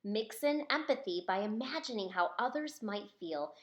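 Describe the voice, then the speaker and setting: A woman's voice: medium pitch, animated, moderate pace. A woman reading a picture book aloud as its author, speaking expressively to young listeners. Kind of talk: storybook read-aloud to children.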